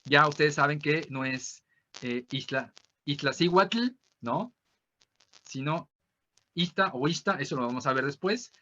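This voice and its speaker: Bright-voiced Mexican teacher, lo-fi call audio. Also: male voice, fairly high pitch, slight background noise. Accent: Mexican Spanish. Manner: explanatory, peppered with tag questions; repeats words slowly to model pronunciation. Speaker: language teacher. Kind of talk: online class lecture.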